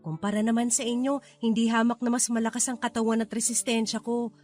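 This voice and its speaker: Woman acting a high-voiced young Filipino daughter. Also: level tone, fast talker, a little mellow, soft background music, close to an everyday voice. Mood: earnest, reassuring. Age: young adult. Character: earnest, dutiful young working-student daughter. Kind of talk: radio drama acting.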